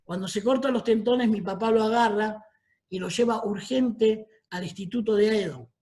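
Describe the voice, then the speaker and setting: A man's voice: sits high, steady tone, moderate pace, a little mellow. A middle-aged man with a Rioplatense Spanish accent preaches a sermon as a pastor, telling his family's story. He calls on the congregation for amens between stretches of storytelling.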